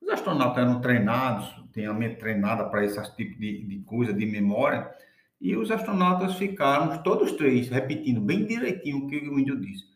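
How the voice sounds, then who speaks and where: A man telling a folk tale in a relaxed, folksy way, often tossing in little tag questions. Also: mid-range voice, normal speed. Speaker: storyteller. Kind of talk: casual oral storytelling. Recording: echoey room.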